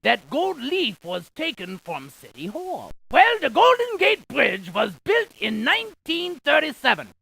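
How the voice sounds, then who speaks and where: A woman playing an excitable, quirky scientist in an educational game, reciting landmark trivia with theatrical emphasis and playful quips. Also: high-pitched, unhurried, vocal fry, few pauses, heavily acted. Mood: cheerful, informative. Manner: theatrical, quippy, exaggerated emphasis.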